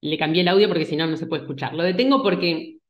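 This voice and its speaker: A woman's voice: lowish voice, quick pace, echoey room. A woman giving a lecture, talking hesitantly with restarts and checking in with her listeners. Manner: hesitant, many restarts and fillers, asks "¿sí?". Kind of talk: online lecture.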